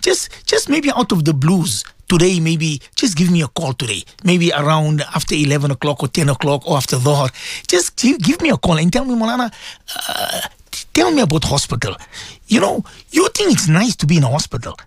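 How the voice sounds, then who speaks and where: A man's voice: fairly high pitch, wildly swooping pitch, brisk, husky, no echo, studio quality. A middle-aged man hosting a religious radio show, talking to listeners in an emotional, pleading way and often repeating himself.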